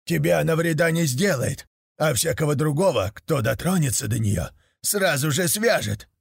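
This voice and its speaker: A man's voice: fairly high pitch, expressive, moderate pace, gravelly, slightly rough, no echo, clean studio sound, exaggerated voice. A man voicing a group of frightened forest devils who plead fearfully.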